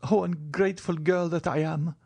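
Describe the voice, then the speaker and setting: A man's voice: on the high side, fairly even intonation, normal speed, vocal fry, darkish tone, husky, voice pushed up. A man voicing a devoted, anguished young woman who pleads tearfully in an audiobook reading. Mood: impassioned.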